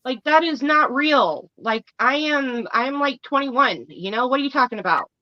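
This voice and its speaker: A woman's voice: high voice, lively intonation, moderate pace, bright, forceful tone, no room sound, lo-fi sound. A woman in her thirties chatting on a podcast, peppering her talk with "like". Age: 30s. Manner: lots of "like", incredulous. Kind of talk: casual chat.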